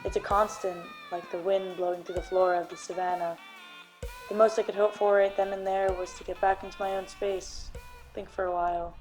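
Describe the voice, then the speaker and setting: A woman playing a brooding, grieving detective, melodramatic and deadpan, in a radio noir parody. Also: mid-range voice, a little fast, soft background music, lightly acted, rough recording. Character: brooding, hard-boiled detective grieving a partner, wryly melodramatic.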